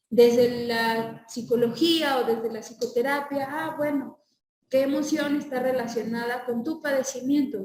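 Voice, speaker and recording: A woman's voice: high voice, a little mellow, echoey room, far from the mic, low-quality recording. A woman teaching a class, lecturing and asking her students questions before answering them herself.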